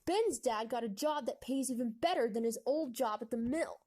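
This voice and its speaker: A woman's voice: on the high side, normal speed, mellow, close to an everyday voice. A woman playing a moody, argumentative young boy in a dramatized audiobook, with a sulky, complaining manner.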